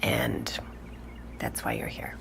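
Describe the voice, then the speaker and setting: An actress playing a woman who recounts her discovery in halting, natural speech in an audio drama. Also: whispered, natural voice. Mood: uneasy. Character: shaken woman recounting her grandfather's secret tapes. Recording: faint background noise.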